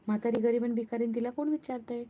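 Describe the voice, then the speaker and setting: A woman voicing a ragged, bitter old woman who scolds in a slow, reproachful way. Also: a little high, steady tone, dark tone, a little hiss or hum, close to an everyday voice. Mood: angry. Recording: muffled lo-fi recording.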